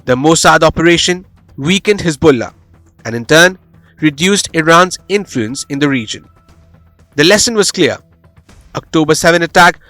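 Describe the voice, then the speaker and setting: A man's voice: a little high, fairly bright tone, no room sound. A man reading a scripted news explainer as a voice-over, with a dramatic storytelling delivery, close on the microphone. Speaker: news narrator. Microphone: close studio voice-over microphone.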